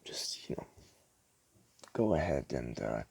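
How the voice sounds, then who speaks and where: A man doing a soft-spoken ASMR roleplay as a store clerk, talking in a casual, hesitant, rambling way. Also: rumbling low, big pitch swings, slow pace, vocal fry, background noise. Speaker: ASMR creator playing a DVD store clerk.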